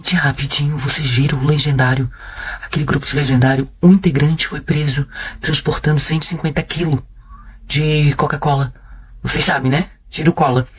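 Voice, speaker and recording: Husky guy cracking jokes, teasing, laughing along. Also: fairly high pitch, fairly even intonation, brisk. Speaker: commentator. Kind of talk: joking commentary.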